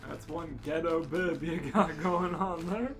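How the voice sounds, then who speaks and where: Guy with a pretty high voice joking around on a podcast, slow talker, loud music behind. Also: steady tone. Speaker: podcast co-host reacting to a story. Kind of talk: casual joking chat. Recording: prominent music under the voice.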